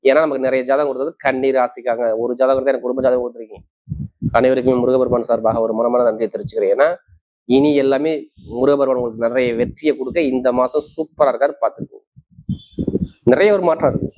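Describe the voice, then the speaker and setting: An astrologer hosting a show delivers a forecast to viewers, emphatic and reassuring, often repeating his main points. His medium-pitched voice is steady and a little mellow, and he talks fast. The recording sounds slightly dull and lo-fi.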